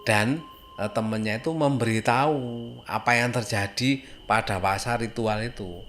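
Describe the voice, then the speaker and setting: A man narrates a horror story informally, in a halting way with dramatic pauses and rhetorical questions. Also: lowish voice, a bit bright, slight background noise.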